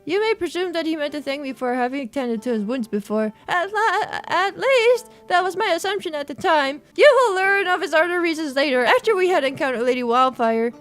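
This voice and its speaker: Woman reading as a prim high-voiced young gentlewoman. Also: lively intonation, faint music behind. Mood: earnest storytelling. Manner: formal, measured, storytelling. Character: prim, long-suffering young gentlewoman recounting her ordeal.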